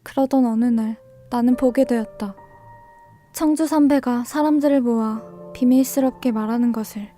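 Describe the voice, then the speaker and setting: A woman's voice: a little high, normal speed, dark tone, close to an everyday voice. A young woman playing a troubled student who narrates her own mystery in a radio drama, with music behind her. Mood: brooding. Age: young adult. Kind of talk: audio drama acting with inner monologue.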